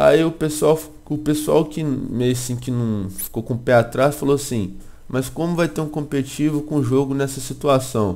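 Fairly high in pitch yet dark and mellow in tone, a man talks at a moderate pace with ordinary pitch variation. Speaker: gaming youtuber and clan leader. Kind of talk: casual vlog update. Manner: animated.

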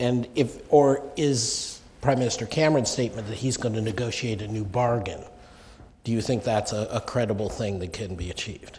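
Over light background noise, a man talks in a plain, everyday voice at a medium pitch with ordinary pitch variation. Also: moderate pace. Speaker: event moderator at a policy institute. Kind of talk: moderated panel discussion. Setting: stage with audience. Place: hall. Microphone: lapel.

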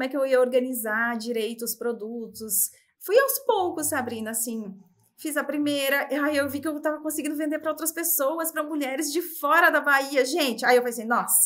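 A woman's high, bright, sharp voice, raised and projected, at a fairly quick pace with ordinary pitch variation. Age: 40s. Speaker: online accessories seller. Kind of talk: interview. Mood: warm, smiling. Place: home room.

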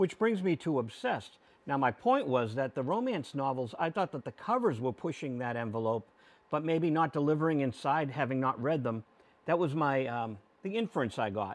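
A man's unremarkable speaking voice, fairly high in pitch for a man, with lively intonation at a moderate pace. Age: 50s. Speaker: cable access show host; radio show host. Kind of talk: interview. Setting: studio. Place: studio.

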